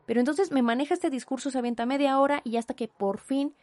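A woman's voice: sits high, fast talker, dry recording. Indignant Mexican woman telling a story. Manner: indignant, animated retelling with asides. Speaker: vlogger. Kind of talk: storytime vlog.

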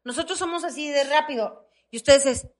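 A Mexican woman in casual chat, telling a story in an animated way and acting out the voices of people in it. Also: high voice, a little fast.

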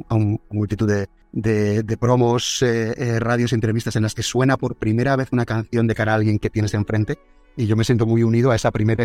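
A man working as a music manager, answering interview questions in a halting way with many restarts. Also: lowish voice, a little mellow.

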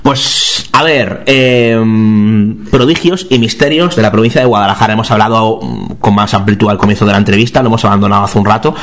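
A man from Spain interviewing a guest, chatting casually and agreeing often with quick repeated yeses. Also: fairly low pitch, a bit bright. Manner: rapid, with many repeated "sí, sí".

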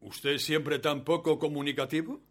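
An actor playing a wealthy, smug betrayed husband in a radio play, suave and mock-courteous with cruel menace. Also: male voice, on the high side, fairly even intonation, normal speed, natural voice. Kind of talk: Spanish-language radio play acting.

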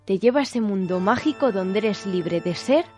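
A woman's voice: medium pitch, lively intonation, normal speed, dark tone. A woman announcer delivering a scripted introduction to an audio programme. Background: music.

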